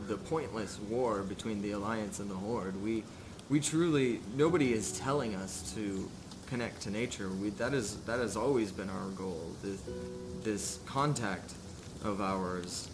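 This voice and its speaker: A man voicing an earnest, weary bearded pilgrim in a tabletop game, speaking haltingly and pleadingly. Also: fairly low pitch, music in the background, natural voice. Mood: earnest, defensive.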